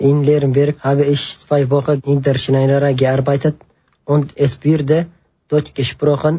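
Slow-paced but not sluggish, a man talks at a fairly high pitch with very even loudness and monotone, flat intonation, at a fairly slow pace. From Eritrea. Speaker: refugee language learner. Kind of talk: scripted personal account.

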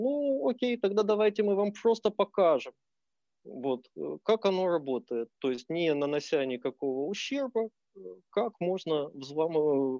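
A man with a high pitch and a dark, mellow tone speaks very slowly, leaving long, frequent pauses. His pitch swings very widely, and the sound is dry and close with no echo. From Ukraine, Donetsk. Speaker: cybersecurity specialist and activist. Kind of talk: interview. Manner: halting, many filler words.

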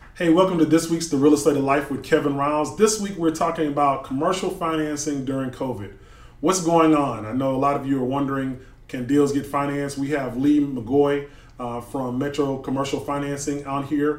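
A man talks at a fairly quick pace in an ordinary speaking voice. His pitch sits fairly high, and his intonation stays fairly even. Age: 40s. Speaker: real estate podcast host. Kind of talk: casual interview chat.

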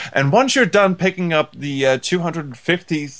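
Speaking with a Danish accent, a man uses a fairly high pitch and ordinary pitch variation. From Denmark. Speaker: gaming podcaster. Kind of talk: casual chat.

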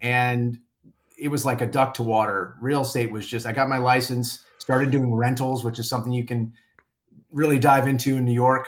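Using a medium pitch and monotone, flat intonation, a man with an American accent speaks at a moderate pace. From US South, New Orleans. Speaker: real estate agent. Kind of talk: interview.

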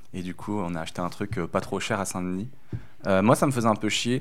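With ordinary pitch variation, a man speaks at a very fast pace. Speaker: comedian and podcast host. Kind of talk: casual chat.

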